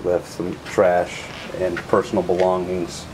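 A realtor inspecting an empty townhouse films his walkthrough, narrating in a low, monotone voice at a measured pace with short, disapproving remarks. His handheld camera mic picks up room echo and faint noise.

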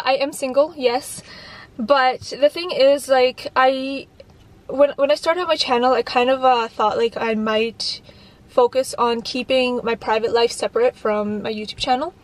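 A young woman in her early twenties with a high voice talks to camera from the driver's seat of a parked car. She rambles easily through viewer questions, dropping plenty of "um"s and "like"s and restarting her sentences. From Canada. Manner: chatty, many fillers and restarts. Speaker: YouTuber answering viewer questions. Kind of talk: casual Q&A vlog. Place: parked car, indoors of vehicle. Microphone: camera on dashboard, facing her.

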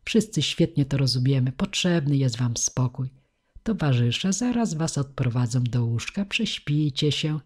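A woman reading the part of a jovial, well-fed male official who speaks in a smooth, placating way, with a husky voice. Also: extremely low pitch, expressive, measured pace, a little mellow, exaggerated voice. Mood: soothing.

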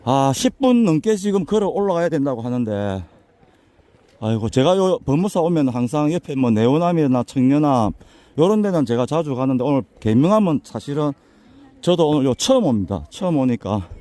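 An older man talks in a thick Busan dialect, his voice hoarse and slightly raspy. He chats and jokes in a folksy, easygoing way as he climbs a mountain path outdoors. His tone is mellow and dark. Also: on the high side, sing-song, brisk, no echo. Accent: Busan Gyeongsang dialect. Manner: chatty, joking, folksy. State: out of breath from climbing. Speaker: vlogger touring local alleys. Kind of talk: casual walking vlog.

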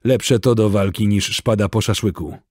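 A man voicing a gruff older mountain man who barks curt orders in an audiobook reading. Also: fairly low pitch, fairly even intonation, normal speed, a little mellow, no echo, clean studio sound, close to an everyday voice. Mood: commanding.

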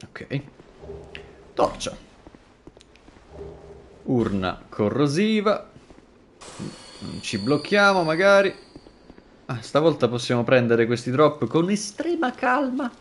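A man streaming a video game live, commenting with animated, jokey asides and frequent swearing. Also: a little high, takes it slowly, long pauses, slight background noise.

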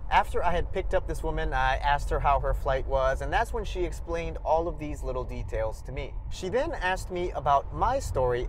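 A man's voice: on the high side, slight background noise, low-quality recording. A young man telling career stories to camera from inside a car in an upbeat, casual way, with a small lapel mic. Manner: upbeat, gestures while talking. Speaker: career vlogger. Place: parked car interior.

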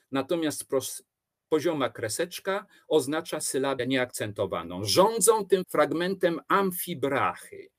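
Slow, animated male lecturer. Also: fairly high pitch. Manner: measured, explanatory, with expressive rises and falls. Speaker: teacher. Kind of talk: literature lecture.

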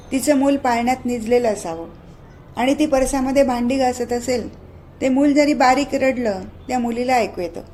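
Woman, soft-spoken spiritual speaker, mellow tone, faint hiss behind. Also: a little high. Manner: gentle, affectionate, often asks "isn't it?". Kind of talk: devotional discourse with parables.

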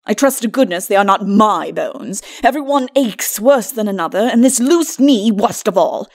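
A woman voicing a pompous, aching skeleton lord, a muddled old drunk with a rough voice and indignant bluster. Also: mid-range voice, animated, normal speed, dry recording, clean studio sound. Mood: grumbling.

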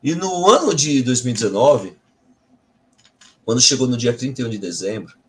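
A middle-aged man tells a personal story to his viewers. His voice sits at a middle pitch, and his tone is earnest. He often stops to correct himself. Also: animated, moderate pace. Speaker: Umbanda medium and channel host.

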